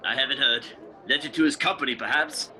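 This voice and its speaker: A man's voice: mid-range voice, fast, sharp tone, rough recording. A man playing a flippant, callous Victorian businessman in a theatrical audio drama. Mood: indifferent, amused. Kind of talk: theatrical radio drama acting.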